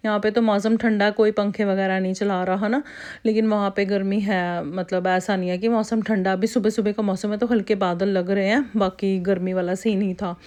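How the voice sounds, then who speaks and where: A woman in her thirties vlogging casually about family life at home, chatty and lively with her kids. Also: mid-range voice, moderate pace. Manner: chatty, talks to her kids in a sing-song scolding way. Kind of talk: casual vlog chat. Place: family home, kitchen and outdoor yard.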